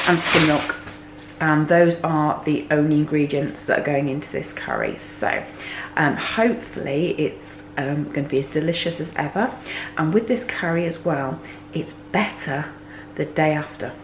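A cooking vlogger in her 40s talks to camera in a chatty vlog, her low voice slightly hoarse. She says "um" a lot and stresses points with "okay?". The handheld camera sits close to her face in an echoey kitchen with a faint hum.

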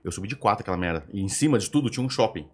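A man talking as a guest on a casual podcast, telling a story in quick, slangy bursts. His voice has a husky grain. He speaks at a brisk pace and keeps the telling animated. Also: fairly low pitch. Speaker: podcast guest, former radio host. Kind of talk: animated anecdote in casual chat.

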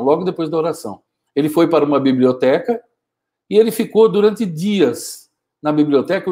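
A man in his fifties giving a forceful, scolding motivational talk on a live stream, using an earphone mic in a small home studio. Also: a little high. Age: 50s. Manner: forceful, scolding, gestures a lot. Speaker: motivational speaker. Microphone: wired earphone mic, webcam framing.

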